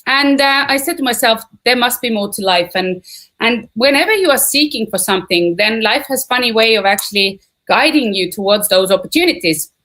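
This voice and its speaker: Estonian woman in her thirties, high voice, chatty live webinar host who greets viewers by name and country. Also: lively intonation, fairly quick, fairly bright tone. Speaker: presenter of an online business webinar. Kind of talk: upbeat live webinar presentation.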